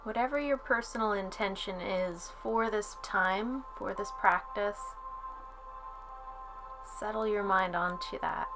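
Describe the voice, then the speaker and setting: A woman guides a relaxation practice in a calm, soothing voice at a medium pitch. She speaks very slowly, leaving long pauses between phrases as a yoga instructor would. Music plays clearly behind her. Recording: soft music under the voice.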